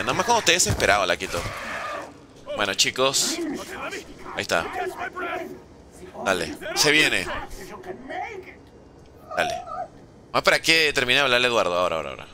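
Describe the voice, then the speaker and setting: A man's voice: on the high side, sing-song, normal speed, long pauses, background noise. A man streaming live gameplay, commenting and joking playfully with chat while using Mexican slang. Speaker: gaming streamer.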